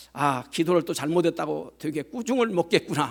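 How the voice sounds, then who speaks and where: On a very clean recording with a silent background, a man talks at a moderate pace with a fairly high pitch and vocal fry. His pitch varies in an ordinary way. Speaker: church district leader giving a sermon. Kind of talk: sermon with personal testimony. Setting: prayer meeting. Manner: conversational storytelling with filler sounds.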